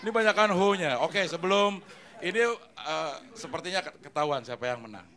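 The host here is a middle-aged man with a fairly high, animated voice at normal speed, joking with and teasing the comics at a stand-up show. He's on a TV studio stage holding a handheld mic, while a live audience laughs loudly and music plays in the noisy background.

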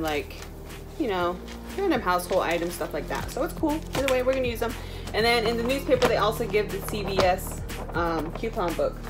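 A young woman with a Native American reservation accent, talking in a casual, informal, rambling vlog style. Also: medium pitch. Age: young adult. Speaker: vlogger. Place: small room indoors.

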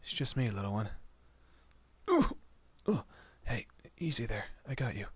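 A man playing a fiercely protective monster in a horror roleplay, with a husky, breathy voice and an intense, deliberate manner. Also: medium pitch, sing-song, dry recording. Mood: gentle, worried. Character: protective male monster, menacing to foes, tender to his human. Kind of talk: dramatic horror roleplay audio.

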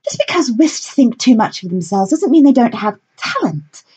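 Woman doing a showy stage director, high and lively, affected, darling-this darling-that. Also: moderate pace, breathy edge, muffled recording, heavily acted. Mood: grand. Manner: affected, calls everyone darling. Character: theatrical woman stage director, doting and grand.

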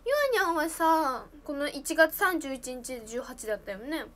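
A bubbly teenage girl with a lilt, chatting on a live stream and reading out viewer comments. Her voice sits very high, and she giggles often between lines. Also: sing-song, moderate pace, fairly bright tone. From Japan. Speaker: idol trainee streamer. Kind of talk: casual live stream chat.

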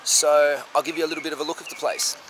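A man's voice: a little high, quick pace. A man in his thirties chatting casually as he films a walking tour on a coastal path and beach, holding the camera at arm's length. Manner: relaxed, chatty, candid. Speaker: travel vlogger. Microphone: camera held at arm's length. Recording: outdoor noise behind voice.

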